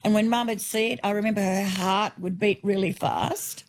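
A woman's voice: medium pitch, fairly even intonation, normal speed. Older Australian woman telling stories. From New South Wales, Australia. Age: 60s. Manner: warm storytelling, vivid lists, some restarts. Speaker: author and guest. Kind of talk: radio interview.

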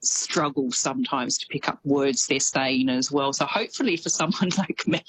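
Low-voiced Australian woman, chatty correspondent. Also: normal speed, a little hiss or hum, poor audio. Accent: Australian with some New Zealand. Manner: chatty, laughs easily. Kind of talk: radio correspondent chat.

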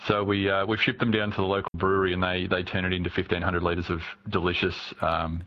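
A man with a low voice explains giant pumpkin growing in an easygoing way. The sound is dull and muffled, like a phone line. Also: flat delivery, fast talker. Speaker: pumpkin grower guest.

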